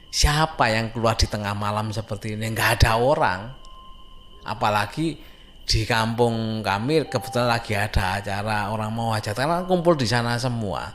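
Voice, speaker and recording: Faint music plays behind a man narrating a ghost story in a low, slightly bright voice at a moderate pace. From a Javanese-speaking village in Indonesia and speaking with an East Javanese accent, he keeps it informal and suspenseful, repeating phrases for emphasis.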